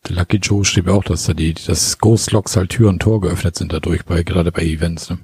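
A man from Germany, co-hosting a casual podcast in a relaxed, agreeable way. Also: low voice, a little fast, husky, no echo. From northern Germany. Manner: relaxed, agreeable, says "ne?" and "Ja" often. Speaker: podcast co-host.

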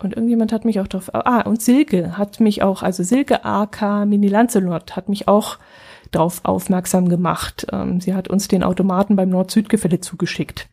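Mellow-voiced woman hosting a chatty podcast. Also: mid-range voice, normal speed, vocal fry, husky. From Allgäu, Germany. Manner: chatty and relaxed, with frequent fillers and small laughs. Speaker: podcast host. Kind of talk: casual solo podcast chat.

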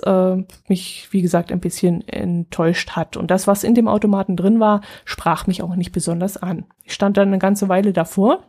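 A woman hosting her own podcast, chatting in an easygoing way. Her voice has a mellow, darker tone at a middle pitch. She talks loosely, with frequent fillers and little laughs. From Allgäu, Germany. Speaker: podcast host. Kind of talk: casual solo podcast chat.

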